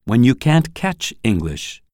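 A voice announcing the headings of an English phrase lesson in a crisp, heading-like way. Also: medium pitch, sing-song, takes it slowly, a little mellow, no room sound, clean studio sound. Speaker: section announcer.

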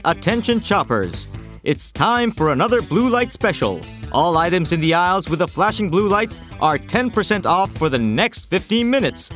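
Give me a man doing a bright, lively store announcement. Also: heavily acted. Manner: cheerful sales pitch, listing items. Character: upbeat male store announcer.

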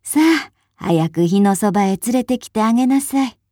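A woman voicing a kindly old village grandmother in a storybook, speaking in a gentle, fussing manner. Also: on the high side, lively intonation, normal speed, no echo, studio quality.

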